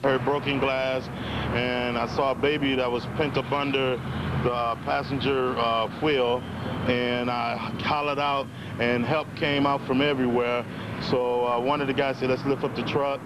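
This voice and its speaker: Man, American accent, flat intonation, halting eyewitness account, noisy outdoor news tape. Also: mid-range voice, highs cut off. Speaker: eyewitness interviewee.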